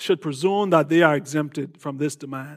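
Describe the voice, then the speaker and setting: A man with a Bahamian accent and lively intonation, in a very clean recording with a silent background. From the Bahamas. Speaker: guest preacher. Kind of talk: sermon. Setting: church.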